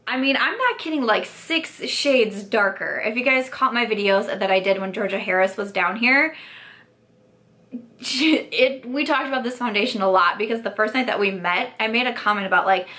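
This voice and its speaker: A young beauty vlogger chats frankly through a casual makeup review, saying "like" a lot while losing her voice to a sore throat. Her fairly high voice sounds pushed and bright at a normal speed.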